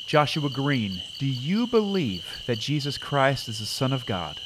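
A man acts as a folksy camp preacher in an audio drama, earnest and solemn. His pitch moves in lively sweeps over clear night noise of crickets. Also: measured pace. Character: earnest male camp preacher leading a baptism. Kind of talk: audio drama acting, sermon-like address.

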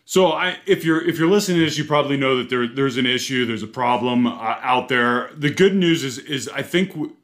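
A man's voice: medium pitch, fairly quick, few pauses, fairly bright tone. Rambling man hosting a casual podcast. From Ohio, US. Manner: rambling, many restarts, self-deprecating jokes. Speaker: podcast co-host at a car dealership.

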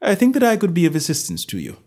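A man voicing a calm, self-assured male detective with a bland, measured manner. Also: high-pitched, voice pushed up, heavily acted.

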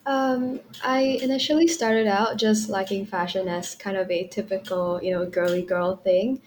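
A woman's voice: medium pitch, fairly even intonation, moderate pace. A young woman speaking as a podcast guest, reflective and casual, with informal hedged phrasing. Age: young adult. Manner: informal, hedging with "kind of" and "you know". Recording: faint background noise.

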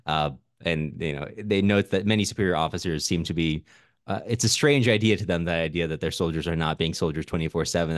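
A man co-hosting a podcast, discussing a book casually in a halting, informal way that often doubles back on itself. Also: sits low, no echo, studio quality. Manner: halting, self-interrupting, informal. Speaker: podcast co-host.

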